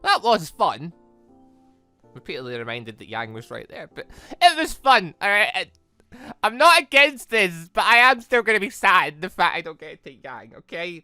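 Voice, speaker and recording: A gaming YouTuber giving casual, rambling, expressive let's play commentary on a visual novel, speaking emphatically. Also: mid-range voice, dry recording. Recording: game music playing behind voice. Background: visual novel game music.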